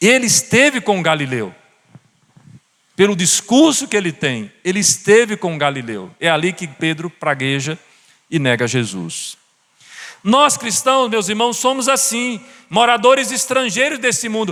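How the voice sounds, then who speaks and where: A man with a northeastern Brazilian accent speaks at a fairly slow pace in a high pitch and a bright, sharp tone, his pitch swinging very widely between long, frequent pauses. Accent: noticeable Northeastern Brazilian. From Northeast Brazil. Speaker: pastor. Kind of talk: sermon. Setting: church.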